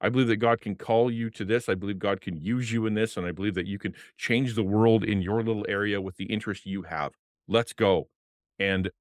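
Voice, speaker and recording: A former pastor with a deep, low voice guests on a podcast, talking passionately and animatedly about his work and gesturing with his hands in casual interview talk. He's on a desk mic on an arm, wearing headphones, in a small home streaming room with colored lights, so his sound is close and dry with no room sound.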